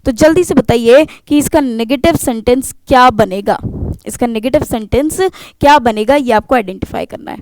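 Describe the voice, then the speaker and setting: A woman's voice: on the high side, moderate pace, a little mellow, slight background noise. A woman English teacher, explaining grammar step by step in an exam-prep lesson, mixing English terms into Hindi.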